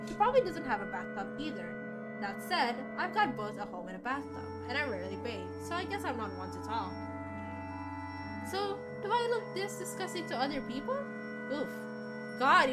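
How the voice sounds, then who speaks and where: A woman streamer reading a visual novel aloud expressively, with casual asides. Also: a little high. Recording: music under the voice. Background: game music.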